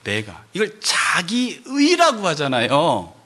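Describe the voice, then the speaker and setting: A middle-aged man preaching a sermon as pastor, animated, now and then acting out the voices of churchgoers. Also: on the high side, slow. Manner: animated, acts out congregants' voices in quotes.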